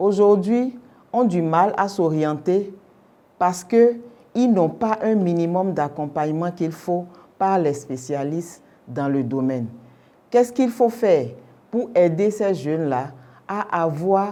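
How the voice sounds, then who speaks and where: Speaking very slowly with long, frequent pauses, a woman with a Yoruba accent has a fairly low pitch, a dark, mellow tone and lively intonation. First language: Yoruba (speaking French). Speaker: school guidance specialist. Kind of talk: radio interview.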